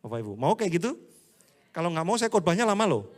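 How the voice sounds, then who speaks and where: A man preaches to his congregation in an easygoing, humorous way, often slipping into little acted-out complaints. His voice sits a bit high, and it swings from bursts of volume down to near murmurs. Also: fast talker. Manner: humorous, acts out church members' complaints; animated, with swings between loud and hushed. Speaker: pastor. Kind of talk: casual sermon to a congregation.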